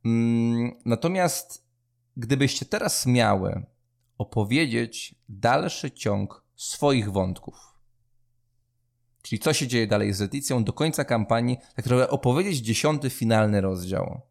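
A man's voice: medium pitch, animated, measured pace, creaky, a little mellow. A man, the game master, chatting about a finished campaign and asking his players probing questions with dry teasing. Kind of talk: casual chat about a tabletop campaign.

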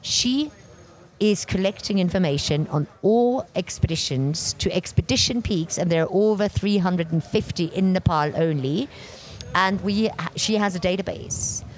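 Loud, animated woman from Bavaria, forties, slightly low voice, interview guest. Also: normal speed. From Germany, Bavaria. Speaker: interview guest, expedition record keeper. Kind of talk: casual interview talk.

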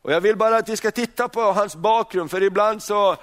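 A man preaching a sermon, often repeating and restarting words and putting questions to his listeners. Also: sits high.

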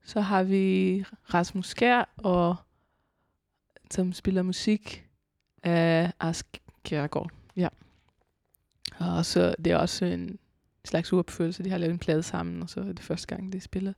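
A woman, a composer and vocalist, talking as a guest in a casual radio interview and often pausing to search for words. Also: on the low side, little pitch movement, vocal fry, darkish tone, no room sound, clean studio sound. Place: concert hall.

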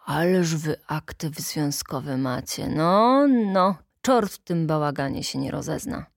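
A woman's voice: low voice, expressive, unhurried, vocal fry, no echo, clean studio sound, full character voice. A woman doing a hesitant visiting delegate. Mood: eager.

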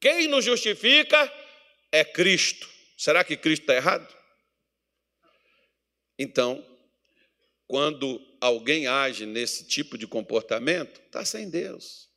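A man with a Brazilian Portuguese accent, preaching a sermon as pastor, building to shouted emphasis. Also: a little high, sing-song, slow pace, pauses often. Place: church meeting hall.

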